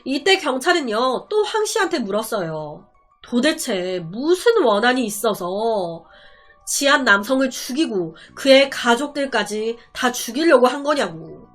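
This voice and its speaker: A woman's voice: on the high side, big pitch swings, a little slow, fairly bright tone, soft background music. A woman narrating a true-crime story in a dramatic, conversational storytelling style with rhetorical asides.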